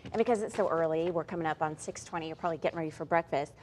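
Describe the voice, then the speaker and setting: A woman reads the morning headlines in a somewhat low voice, brisk and matter-of-fact. Between stories she turns bright and chatty with her co-anchor. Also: a little hiss or hum. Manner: brisk, upbeat delivery with chatty asides. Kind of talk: live morning news reading and chat.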